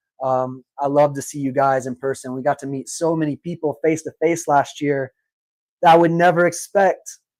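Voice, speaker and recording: Recorded with a dry, close sound and no echo, a man in a normal speaking voice talks at a moderate pace, his fairly high pitch held in fairly even intonation. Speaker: sports streamer. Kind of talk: live watch-along commentary. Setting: live stream on camera.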